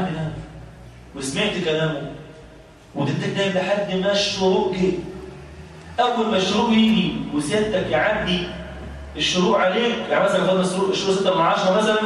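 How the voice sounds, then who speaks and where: A man's voice: high voice, a bit bright. A man with an Egyptian accent giving a colloquial mosque sermon, often asking his listeners questions and answering them himself. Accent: Egyptian Arabic. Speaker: preacher. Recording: echoey mosque hall from far off.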